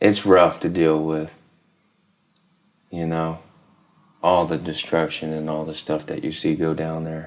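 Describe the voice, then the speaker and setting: A man with a very deep, low pitch speaks in a monotone, flat intonation at a fairly slow pace, leaving long, frequent pauses. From US South, East Tennessee near Knoxville. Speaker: war veteran. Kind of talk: podcast interview, personal testimony. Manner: halting, many fillers and restarts.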